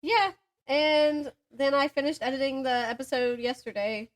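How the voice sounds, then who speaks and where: A woman's voice: sits high, moderate pace. A young adult woman co-hosting a podcast, chatting casually with a friend and telling rambling stories in a giggly manner. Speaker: podcast co-host. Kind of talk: casual chat between friends.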